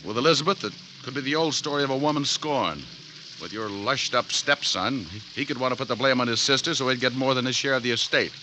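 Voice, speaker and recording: An actor playing a dry, sardonic private detective who also narrates, in a 1940s radio drama. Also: male voice, mid-range voice, quick pace, background noise, natural voice. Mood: wry. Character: wisecracking tough male private eye. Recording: old radio broadcast with music underneath.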